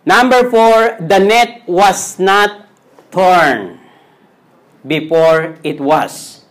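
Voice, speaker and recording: A Filipino man, a Tagalog speaker, preaching a sermon as pastor in simple, halting English with many repeated phrases. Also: high voice, a bit bright.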